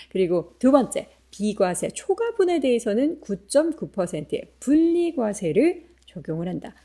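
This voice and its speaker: The voice has a dark, mellow tone, moves at a moderate pace, and swings very widely in pitch. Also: woman. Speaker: finance YouTuber, news anchor. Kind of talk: finance explainer.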